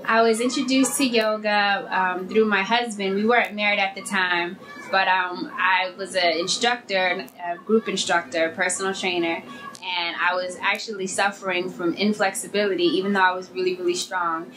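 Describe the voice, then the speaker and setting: A woman describing her path into yoga in a thoughtful, detailed way, with many pauses. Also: medium pitch, steady tone. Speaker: interviewee, former personal trainer. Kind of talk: documentary interview. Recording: noisy recording.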